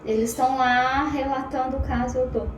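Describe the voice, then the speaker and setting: Animated woman lecturer in a roomy space. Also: sits high. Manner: talks fast and a lot, animated, self-described anxious. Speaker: psychology lecturer. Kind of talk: online lecture. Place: home room at a computer. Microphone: computer audio. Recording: roomy sound, faint background noise.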